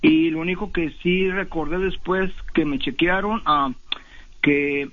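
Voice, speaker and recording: A man calls in to a radio show to tell his own story, stumbling through it with fillers and restarts. His voice is husky and a little high for a man. He comes through a thin, tinny phone line. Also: steady tone. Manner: halting, many fillers and restarts. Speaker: caller. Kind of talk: telling a personal story on a call-in show.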